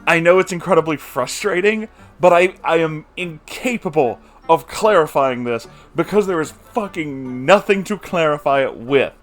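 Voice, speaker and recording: A man's voice: fairly high pitch, lively intonation, moderate pace, hardly any pauses, soft background music. A man giving a comedic recap of a book chapter, exasperated and incredulous, with laughing asides. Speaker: book reviewer.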